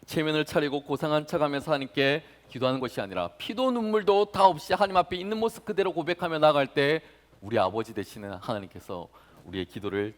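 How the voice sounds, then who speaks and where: A man in his thirties, a pastor preaching to young adults, dramatic in delivery, acting out prayers and swinging from hushed to loud. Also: medium pitch. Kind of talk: sermon.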